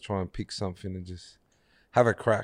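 A man with an Australian accent talks at a fairly quick pace in a fairly low voice. His intonation stays fairly even over a quiet background. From Western Sydney, Australia. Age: 20s. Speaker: MMA fighter. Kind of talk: casual interview.

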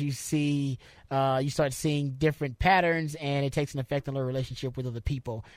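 Recorded very cleanly against a silent background, a man with an American accent and a normal speaking voice talks at a fairly quick pace with a fairly high pitch. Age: 30s. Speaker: sports radio host, former NFL player. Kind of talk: sports talk radio. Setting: radio studio.

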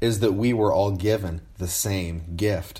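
A man's fairly low, somewhat breathy voice with a dark, mellow tone. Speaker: pastor. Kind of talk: sermon-like Christmas message.

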